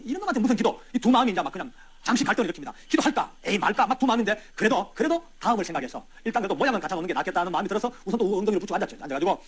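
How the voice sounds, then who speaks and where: A man speaks as a church elder giving a testimony, at a rapid clip and with a fairly high voice. His pitch rises and falls freely as he addresses the audience directly. He moves from loud passages to hushed ones. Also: slightly rough. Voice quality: wide swings from loud to hushed. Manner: animated, conversational, talks straight to the audience. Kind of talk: storytelling testimony sermon.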